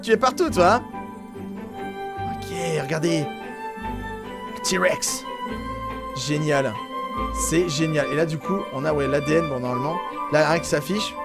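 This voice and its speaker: French male let's-player, high voice, chatty and excitable, rambling casual commentary. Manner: chatty, excitable, thinks aloud with many fillers. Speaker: gaming YouTuber.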